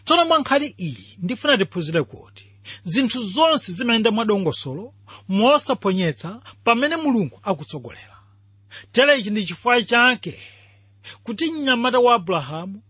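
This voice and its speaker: A man gives a didactic radio sermon. His voice is high for a man and husky, with a forceful edge. He explains scripture and puts questions to his listeners. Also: very animated, a little fast, no room sound. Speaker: radio Bible teacher. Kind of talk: radio sermon, Bible exposition.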